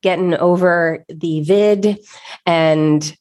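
A woman in her thirties hosts a solo podcast with a slightly husky, lower-pitched voice as she gets over an illness. She talks with eager, conversational energy, often restarting her sentences mid-thought. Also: fairly even intonation, extremely slow, darkish tone. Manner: enthusiastic, conversational, frequent restarts. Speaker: podcast host.

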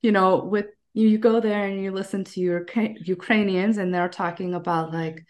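A woman with an American accent chatting casually as a podcast guest, telling personal stories in an animated way. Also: medium pitch, moderate pace. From United States. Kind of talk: casual conversational storytelling.

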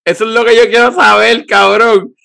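A young Puerto Rican man hosts a crude podcast chat in a slightly higher voice than most men. He rambles through his stories and swears in nearly every sentence. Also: little pitch movement, moderate pace, vocal fry, pushed and bright, slight background noise. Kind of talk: raunchy casual chat.

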